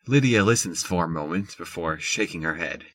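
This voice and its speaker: A man narrating a scripted audio drama in a measured, descriptive storytelling manner. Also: sits low, fairly bright tone.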